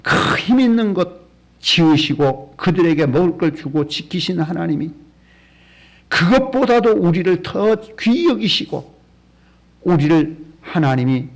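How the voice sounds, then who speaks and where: A man's voice: a little high, animated, unhurried. A man preaching a sermon as a pastor in a church, earnest and full of rhetorical questions.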